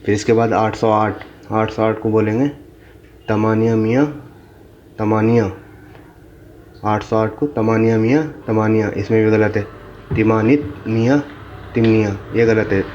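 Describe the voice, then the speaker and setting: A man teaching a slow, repetitive lesson, saying each number again and again and correcting mistakes in the book. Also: on the low side, monotone, darkish tone, dull audio, a little hiss or hum. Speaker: Arabic teacher.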